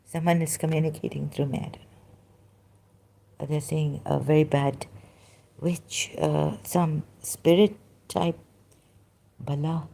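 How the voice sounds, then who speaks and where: A low-voiced woman, a vlogger raised speaking Khoja Sindhi, delivers a slow, halting personal monologue from home as she rests. Her voice is creaky with little pitch movement, and she drifts softly from one thought to the next.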